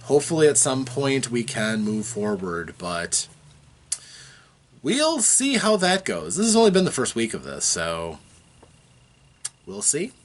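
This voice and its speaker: A man chats casually with his audience from a home basement, wandering through his thoughts with lots of fillers and restarts. His pitch rises and falls in a lively way, and the voice still carries some roughness from a cold he is getting over. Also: a little slow, pauses often. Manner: rambling, hesitant, with frequent fillers and restarts. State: recovering from a cold, slightly rough voice. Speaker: vlogger. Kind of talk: casual chat to camera.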